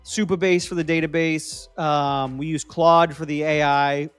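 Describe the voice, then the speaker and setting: A man's voice: on the high side, steady tone, a little slow, clean tone, soft background music. A young man from New Jersey hosting a live stream, thinking aloud as he codes and answering viewers in casual chat.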